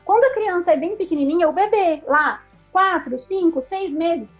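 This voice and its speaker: A woman with a high voice explains things patiently and step by step, as a speech therapist guest. She often checks in with a quick "né?". Soft music plays faintly underneath. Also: lively intonation. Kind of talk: explanatory interview answers.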